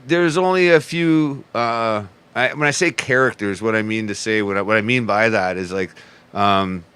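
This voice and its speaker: A man's voice: on the low side, normal speed, a bit bright, clean tone. A man in his forties, a podcast guest in casual chat, rambling with restarts and profanity. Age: 40s.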